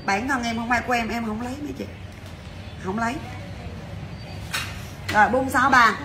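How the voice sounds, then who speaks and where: A woman selling jewelry on a livestream, chatty and brisk, calling out to viewers. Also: fairly high pitch, fairly even intonation, background noise. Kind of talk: fast livestream sales patter. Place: jewelry shop.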